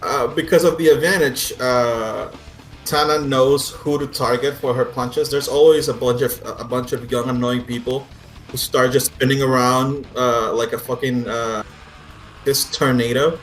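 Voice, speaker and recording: A man's voice: mid-range voice, fairly even intonation, unhurried. A man running a tabletop role-playing game as game master, narrating in a casual, sweary way. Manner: casual, profane. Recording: roomy echo, faint music behind.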